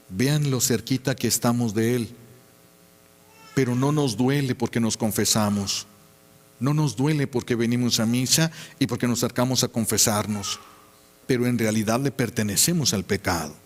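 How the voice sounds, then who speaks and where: A man's voice: mid-range voice, in a large hall. A man, a priest delivering a sermon in an emphatic preaching manner that rises to fervent peaks.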